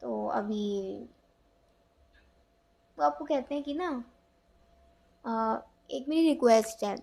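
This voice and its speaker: A woman's voice: fairly high pitch, takes it slowly, creaky, dark tone. A woman gives a casual tarot reading, chatty and rambling, with many fillers and restarts. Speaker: tarot reader.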